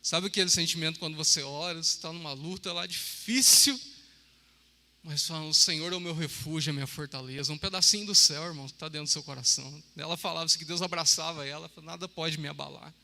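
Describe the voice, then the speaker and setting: Male preacher, high bright voice, chatty sermon, church hall reverb. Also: quick pace, creaky. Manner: chatty, joking, with frequent "amém?" and "né?".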